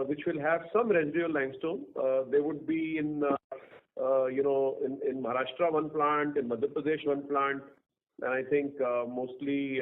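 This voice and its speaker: A man with an Indian accent speaking as a company executive, answering analysts in a halting way and repeating words. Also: on the high side. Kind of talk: answering analysts on an earnings call. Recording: narrow tinny phone-line sound.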